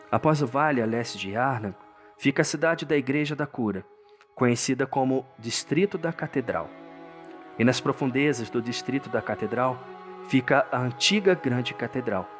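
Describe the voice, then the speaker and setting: A man voicing an ailing, helpful foreign townsman in a dark fantasy audio drama, courteous and resigned in his warnings. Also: mid-range voice, close to an everyday voice. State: chronic cough, ailing. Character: sickly, weary, helpful foreign townsman named Gilbert. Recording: music behind the voice.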